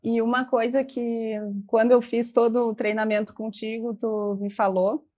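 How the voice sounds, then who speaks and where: A woman hosts a studio interview, her voice sitting a little higher than most. She talks her questions through in a musing way, dropping in quick tag questions as she goes. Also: little pitch movement, a little mellow. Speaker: talk show host. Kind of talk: conversational interview.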